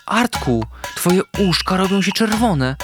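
A man voicing a caring young female animal friend who speaks gently and with concern. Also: high-pitched, animated, measured pace, over music, pitched above the performer's own voice.

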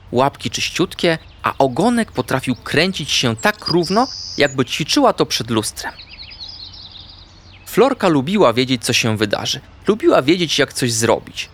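A man narrating a children's storybook in an expressive, sing-song way. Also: medium pitch, slight background noise.

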